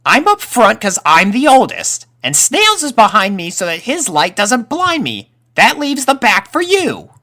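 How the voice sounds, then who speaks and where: A man's voice: high-pitched, wildly swooping pitch, measured pace, hardly any pauses, pushed and bright, voice pushed up, full character voice. A man voicing a bossy young unicorn pony boy with some worry underneath, in an acted story reading. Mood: bossy, exasperated. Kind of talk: acted character voice in fan fiction reading.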